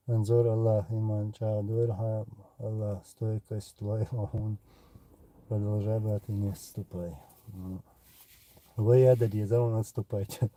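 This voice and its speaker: A man with a Chechen accent, a native Chechen speaker, hosting a live stream and answering viewer questions in an unhurried way, pausing often. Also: lowish voice, dark tone, low-quality recording. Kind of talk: casual live chat reading comments.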